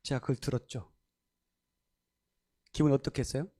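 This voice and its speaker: A man's voice: mid-range voice, normal speed. A male pastor preaching a sermon in a church, telling stories and acting out the voices of people in them. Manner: animated, acts out quoted voices, laughs often. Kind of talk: sermon with storytelling. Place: church sanctuary.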